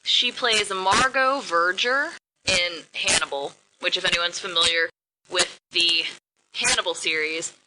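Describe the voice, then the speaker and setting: A woman with a fairly low voice co-hosts a podcast in loose, rambling chat, sometimes speeding up in bursts. A loud steady noise runs under her voice throughout. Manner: chatty, rambling, quick bursts of speech. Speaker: podcast co-host. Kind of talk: casual chat.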